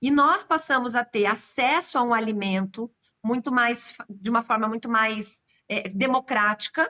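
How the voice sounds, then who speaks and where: Bright and sharp in tone, a woman speaks at a fairly high pitch and fairly slow pace with ordinary pitch variation, in a dry, close sound with no echo. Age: 50s. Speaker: lawyer. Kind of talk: interview.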